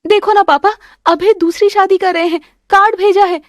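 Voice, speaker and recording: Woman playing a distraught young wife, high voice with big swings, dry booth sound. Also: fairly even intonation, normal speed, no echo. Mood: pleading. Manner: high, pleading, crying out. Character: tearful young married daughter, distraught. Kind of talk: Hindi family drama voice acting.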